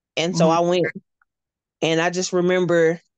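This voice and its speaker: The woman talks at a moderate pace. Her sound is dry with no echo, over a quiet background. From Atlanta, Georgia, US South; Georgia. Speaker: former teacher. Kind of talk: casual chat. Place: home room. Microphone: video call.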